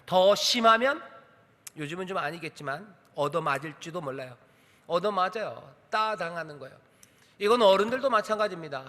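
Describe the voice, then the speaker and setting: A man's voice: high voice, bright, forceful tone. A man preaching a Sunday sermon as pastor, emphatic and full of rhetorical questions to the congregation. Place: church sanctuary. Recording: church hall reverb.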